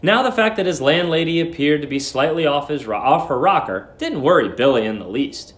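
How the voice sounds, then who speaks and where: A man's voice: fairly high pitch, expressive, a little fast, reverberant. A man narrating a short story as a dramatic reading.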